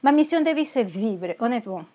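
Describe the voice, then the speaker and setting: A Venezuelan therapist appears as a guest in a candid interview, speaking earnestly with a Venezuelan Spanish accent and often restarting her words. Her voice is a little high, warm, expressive, and brisk.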